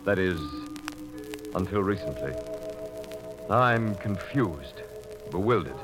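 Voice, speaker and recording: A man's voice: sits low, animated, music in the background. A man playing a stern, rational but troubled doctor, with formal 1940s radio diction on a vintage recording. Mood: grave, bewildered. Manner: formal, grave, measured diction. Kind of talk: 1940s radio drama acting and narration.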